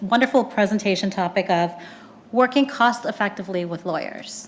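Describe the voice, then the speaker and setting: A woman talks at moderate speed, her pitch varying in an ordinary way. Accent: Boston. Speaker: conference organizer introducing speaker. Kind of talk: event welcome speech. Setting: conference venue with live audience.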